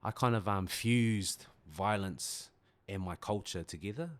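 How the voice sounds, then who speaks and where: A New man in his forties, whose was Samoan, speaking with a very deep, low voice. He talks reflectively and pauses to search for words, like a guest opening up on a podcast. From New Zealand. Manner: thoughtful, pauses to find words.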